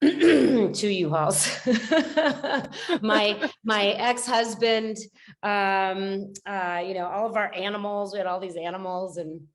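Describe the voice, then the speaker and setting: A woman's voice: mid-range voice, slow pace. A middle-aged woman talking as a podcast guest, reflective and rambling, with many fillers and restarts. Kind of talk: casual conversational interview.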